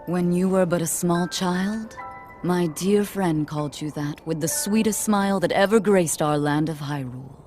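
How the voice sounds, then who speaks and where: An actress playing a proud, commanding warrior woman chief who speaks with measured, fond warmth in a game cutscene. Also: lightly acted. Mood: tender. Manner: low, measured, regal and fond. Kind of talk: video game cutscene acting. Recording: game soundtrack with faint music.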